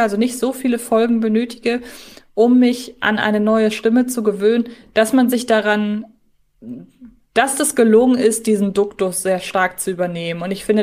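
A woman's voice: on the high side, a little mellow. A woman co-hosting a podcast in casual discussion, reflective and thinking aloud. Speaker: podcast co-host. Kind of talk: casual discussion of an audio drama series.

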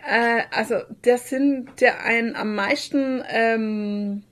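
A woman's voice: fairly high pitch, fairly even intonation, slow. A woman, co-hosting a casual podcast and reading out listener messages. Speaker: podcast co-host.

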